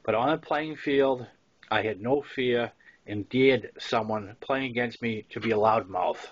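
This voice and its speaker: A man's voice: medium pitch, measured pace, lo-fi sound. A man in his sixties with a Boston accent reads his own memoir aloud in a conversational storytelling manner, with casual asides. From Massachusetts, US. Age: 60s. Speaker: author reading his own novel.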